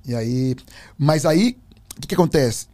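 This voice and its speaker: A man telling his religious testimony in a conversation, animated and acting out voices. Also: medium pitch, unhurried. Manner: animated storyteller, acts out voices, fillers. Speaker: guest giving a testimony.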